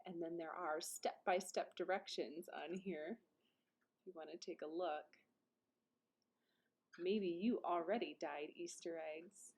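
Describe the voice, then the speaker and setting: Unhurried woman reading children's stories aloud. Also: fairly low pitch, steady tone, darkish tone, husky. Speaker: teacher reading aloud to class. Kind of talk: children's story read-aloud.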